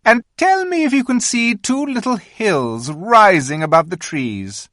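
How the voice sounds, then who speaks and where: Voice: mid-range voice, big pitch swings, unhurried, fairly bright tone, no room sound, clean studio sound, voice pushed up. A reader voicing a cunning, imperious witch queen who coaxes and commands in a storybook reading. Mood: coaxing. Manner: coaxing, commanding. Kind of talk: audiobook reading.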